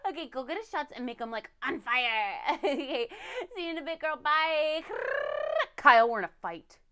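A woman's voice: high-pitched, lively intonation, normal speed, a bit bright. A woman playing a tipsy, clingy, combative young party girl, whiny and dramatic, in a comedy monologue. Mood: gushing, tipsy.

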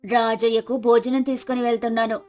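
Woman voicing a high-pitched earnest village wife. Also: level tone, fairly quick, darkish tone, lightly acted. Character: lazy village wife turning earnest and hardworking. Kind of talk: moral storybook character voice. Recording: music behind the voice.

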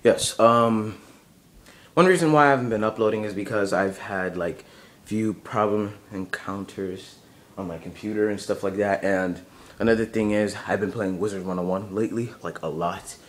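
A man's voice: lowish voice, moderate pace, fairly bright tone. A young man in a casual home vlog, just woken up with a groggy morning voice, rambling and hesitant with many fillers, talking from his bedroom into a camera mic. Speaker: channel owner.

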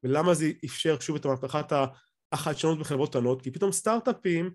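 A man's voice: a little high, darkish tone. A middle-aged man with an Israeli accent explains things in an off-the-cuff lecture on a video call, often restarting his phrases. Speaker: academic lecturer. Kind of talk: explanatory lecture over slides, speaking off the cuff.

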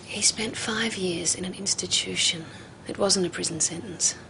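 An actress in a television drama plays a calm, measured, middle-aged female psychiatrist who explains things patiently and gently. Her voice is fairly low and creaky, heard over a noisy TV soundtrack.

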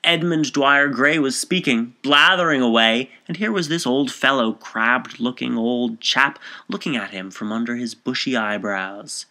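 An opinionated middle-aged man, acted by a male reader, talks earnestly in a storybook. He is colloquial and prone to exclaim, with a bright, pressing voice. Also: medium pitch, unhurried, few pauses. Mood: blustering reminiscence.

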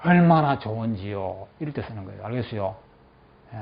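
Lively male teacher on a lo-fi tape. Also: on the low side, creaky. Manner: says English phrases slowly, then explains them in Korean; keeps checking that the class follows. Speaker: English teacher. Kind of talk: classroom lecture with repeat-after-me drills. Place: classroom. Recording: dull lo-fi classroom recording.

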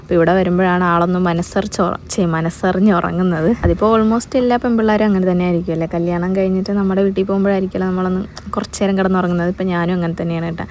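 A woman's voice: lowish voice, steady tone, very fast, a little mellow, slight background noise. A young woman, narrating her day as a family vlogger in a chatty way, often turning to viewers with asides. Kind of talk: casual day-in-my-life narration.

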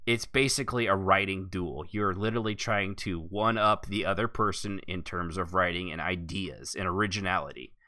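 Low-ish bright voiced guy rambling n joking on a gaming podcast. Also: moderate pace, few pauses. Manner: rambling, joking, laughs often. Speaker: podcast host. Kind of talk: casual roleplay podcast chat.

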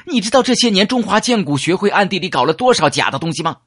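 A man's voice: high-pitched, animated, fast, husky, pitched above the performer's own voice, full character voice. A man reading an audiobook, voicing a bitter young male villain who mocks and then rages. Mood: raging. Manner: mocking, then shouting in fury.

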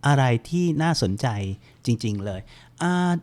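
A man's voice: medium pitch, unhurried. Chatty man walking through a tutorial. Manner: relaxed, chatty, lots of fillers, spells with phonetic alphabet. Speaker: computer help host. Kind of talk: step-by-step screen-reader tutorial.

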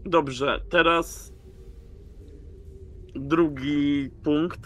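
Bright-voiced young man, unhurried. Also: fairly high pitch, fairly even intonation. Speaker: player in a tabletop game. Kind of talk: casual chat.

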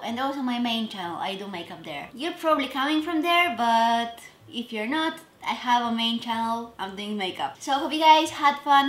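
A woman's voice: fairly high pitch, a bit bright, echoey room. A woman with a manner, chatting casually and self-deprecatingly while cooking for a vlog. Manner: chatty, self-deprecating, trails off mid-sentence. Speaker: cooking vlogger. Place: home kitchen.

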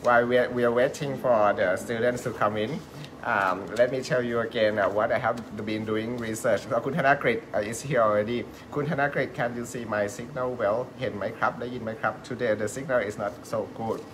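A man from Thailand with a Thai accent, hosting and teaching on a live stream. He talks in a halting way, searches for words and chuckles often. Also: mid-range voice, fairly even intonation, background noise. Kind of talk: live-stream talk, switching between English and Thai.

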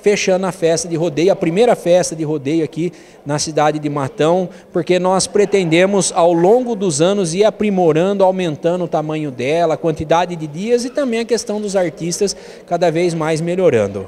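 High-voiced Brazilian man in echoey room. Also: moderate pace, warm tone, slight background noise. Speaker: mayor being interviewed. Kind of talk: TV interview answers. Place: indoor room. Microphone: handheld interview microphone.

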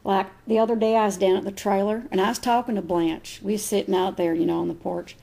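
A woman's voice: medium pitch, fairly even intonation, quick pace, gravelly, dark tone, low-quality recording. Folksy, gossipy Southern older lady. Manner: folksy rambling storytelling. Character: gossipy rustic older trailer-park woman, folksy and blunt.

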